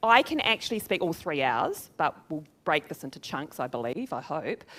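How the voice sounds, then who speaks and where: A woman with a New Zealand accent, animated in tone, at a moderate pace. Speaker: business coach. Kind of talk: seminar talk.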